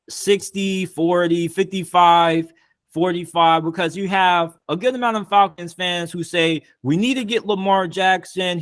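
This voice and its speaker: A man with a somewhat high voice hosting a casual sports chat. He keeps it loose and slangy, peppering his questions with "like" and "you feel me.". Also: fairly bright tone, no echo. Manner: laid-back, slangy, says "like" and "you feel me". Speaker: sports show host. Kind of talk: casual sports podcast interviewing.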